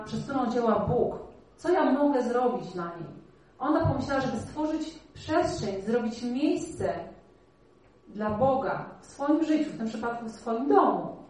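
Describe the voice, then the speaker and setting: A woman's voice: high voice, a little mellow, recorded from a distance. A woman preaching in a very echoey hall. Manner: earnest teaching with rhetorical questions to the congregation. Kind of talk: sermon.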